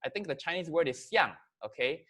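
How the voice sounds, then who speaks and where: A man's voice: a little high, lively intonation, fairly quick, pushed and bright. Chatty man giving a business talk. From Korea. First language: Korean. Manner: casual, chatty, many fillers and "okay?" checks. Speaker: presenter. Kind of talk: business presentation to camera.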